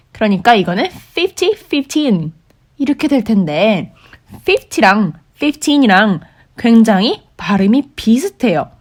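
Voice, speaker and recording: A young woman giving a patient, clear lesson on saying prices in English, slowing down to model each word. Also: a little high, a little mellow. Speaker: English teacher for working holiday makers. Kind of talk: explanatory language lesson.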